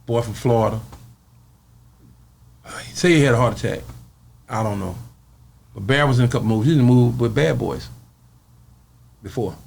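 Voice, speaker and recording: An interview guest from Arkansas in the American South, a man with a Southern Black accent, tells a story casually and colloquially, acting out what people said. His mid-range voice is brisk, gravelly, and a little mellow, with long pauses and a little hiss or hum.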